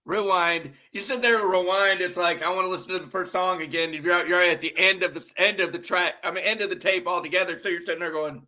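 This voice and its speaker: A man's voice: sits high, steady tone, quick pace, hardly any pauses, pushed and bright. A man co-hosting a talk show in casual chat. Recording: dull audio with clear noise.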